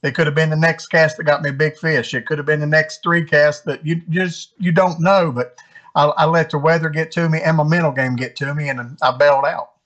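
A man's voice: a little high, steady tone, a little fast, fairly bright tone, muffled recording. A man from North Carolina, a guest angler giving earnest, encouraging advice in a casual interview. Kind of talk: casual interview over a call.

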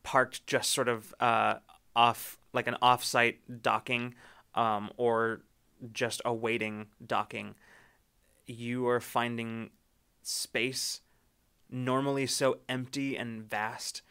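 Bright, clear-voiced male game master. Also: medium pitch, flat delivery, takes it slowly. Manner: rambling, many fillers and restarts. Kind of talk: narrating a tabletop game.

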